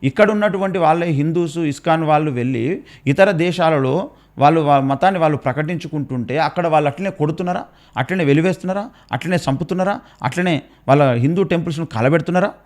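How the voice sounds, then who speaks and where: A man speaking with a Telangana Telugu accent, his voice sitting a touch higher than most men's. He rebukes like a preacher, piling up rhetorical questions and repeating his warnings again and again. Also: fast, darkish tone. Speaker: Christian commentator. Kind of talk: preachy rebuttal.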